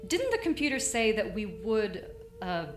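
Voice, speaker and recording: A woman's voice: medium pitch, wildly swooping pitch, moderate pace. An actress playing an anxious, sarcastic young woman exploring a station in an audio drama. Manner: sarcastic and worried. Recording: roomy echo with faint music.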